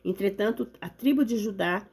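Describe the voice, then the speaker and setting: A hoarse woman, giving an earnest devotional talk and reading the Bible aloud. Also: medium pitch, normal speed, darkish tone. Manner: earnest, repetitive exhortation with tag questions. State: hoarse from a cold. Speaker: lay preacher.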